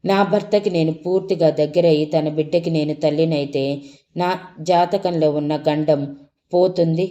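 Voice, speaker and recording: A woman storyteller voicing a bold young wife who teases her rival with drawn-out mocking words. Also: deep voice, fairly even intonation, mellow, natural voice. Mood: pleading. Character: bold teasing young wife, sly and confident.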